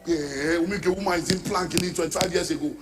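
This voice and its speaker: A middle-aged man, preaching a sermon as a pastor, forceful and rising to shouts. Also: a little high, fast talker. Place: church or large hall. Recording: reverberant hall with background music.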